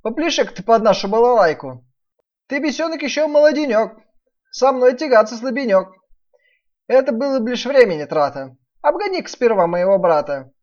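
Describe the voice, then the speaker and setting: A woman's voice: fairly high pitch, big pitch swings, moderate pace, a little mellow, voice pushed up. Storybook peasant trickster, a man played by a woman: brash, taunting, swooping intonation, dull sound. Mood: mocking. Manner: taunting, commanding. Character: cunning brash peasant workman, mocking and bossy. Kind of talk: dramatised fairy-tale reading.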